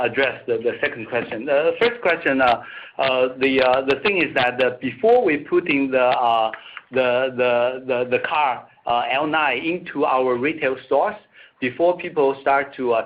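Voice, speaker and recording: Man, native Chinese speaker, medium pitch, halting executive answers, repeated words, phone-line sound. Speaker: company executive. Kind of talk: answering on an earnings call. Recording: tinny narrowband phone line.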